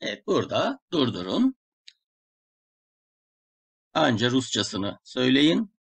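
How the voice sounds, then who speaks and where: Slow, lively man teaching. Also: mid-range voice, creaky, slightly rough. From Turkey. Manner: slow, careful drilling with repeated sounds. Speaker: Russian language teacher. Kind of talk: online language lesson.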